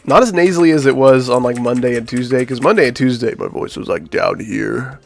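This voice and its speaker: Nasal from being sick, a man chats casually with his live-stream viewers while building a game level, talking to chat as he works. His voice is mid-range and fairly quick, with vocal fry.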